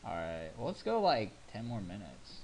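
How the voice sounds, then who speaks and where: Joking American let's play host. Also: male voice, fairly low pitch, huge pitch swings, normal speed, slight background noise, poor audio. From United States. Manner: joking, rambling, playful. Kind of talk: casual gameplay commentary. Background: keyboard clicking.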